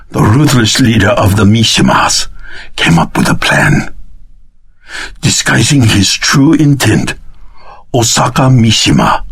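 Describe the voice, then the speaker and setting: An actor playing an elderly, earnest and secretive nobleman in a video game, with a breathy, raspy voice and a formal, courteous, deliberate delivery. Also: on the low side, fairly bright tone, full character voice. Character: frail elderly Japanese nobleman, earnest, secretive, solemn storyteller. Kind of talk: video game voice acting, dramatic exposition.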